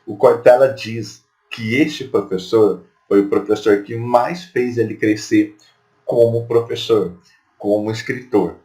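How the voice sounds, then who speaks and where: A man's voice: on the low side, fairly even intonation, unhurried, dark tone. A man with a Brazilian Portuguese accent teaching an exam-prep lesson in a chatty way, often checking in with rhetorical questions.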